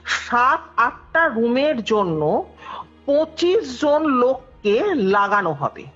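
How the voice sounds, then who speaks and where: Background music hums behind a muffled, lo-fi call as a guest with a high, breathy-edged voice shares a ghost story. She stays conversational and animated, giving each quoted line a performance.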